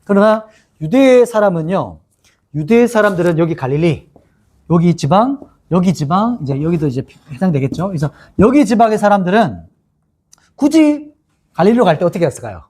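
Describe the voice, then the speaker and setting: A man's voice: sits high, sing-song, moderate pace, darkish tone. A male pastor teaching a Bible-study sermon in a chatty way, asking his listeners questions and laughing often.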